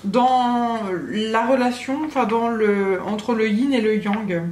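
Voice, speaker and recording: A woman's voice: a little high, steady tone, slow, a little mellow. Woman doing a tarot reading, lots of euh and restarts, roomy echo, bit of hum. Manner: hesitant, many fillers and restarts. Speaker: tarot reader giving channeled guidance. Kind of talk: casual spoken guidance to the viewer. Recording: echoey room with faint background hum.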